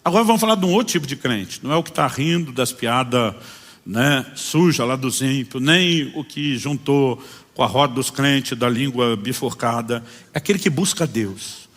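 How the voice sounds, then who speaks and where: With a medium-pitched voice at a moderate pace, this preacher brings his sermon to life through stories, taking on the voices of the characters in each anecdote as a long hall reverb rings around him.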